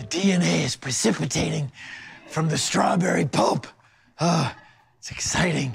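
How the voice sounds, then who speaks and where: In a raspy, put-on character voice at a middle pitch, the speaker moves at a moderate pace with long, frequent pauses. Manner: theatrical, villainous.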